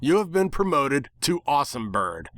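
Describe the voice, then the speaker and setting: A man voicing a brash, self-mocking hero in a fantasy story, excitable and wisecracking. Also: fairly high pitch, normal speed, no echo, clean studio sound, voice pushed up. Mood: cheeky.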